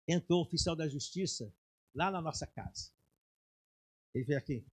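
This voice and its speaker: Man, middle-aged, high voice, pastor preaching in a church, quiet storytelling rising to shouting. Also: expressive, moderate pace, breathy edge. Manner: swings from quiet storytelling to loud shouted exhortation. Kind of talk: sermon with personal testimony. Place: church sanctuary.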